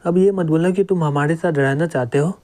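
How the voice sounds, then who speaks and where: A man's voice: fairly high pitch, brisk, darkish tone, natural voice. A man voicing a brusque young woman without changing his voice.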